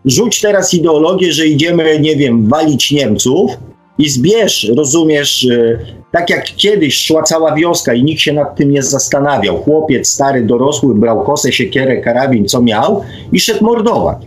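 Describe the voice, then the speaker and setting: A man's voice: on the high side, expressive, moderate pace. A man in a casual debate, speaking emphatically and often checking for agreement with short tag questions. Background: faint music.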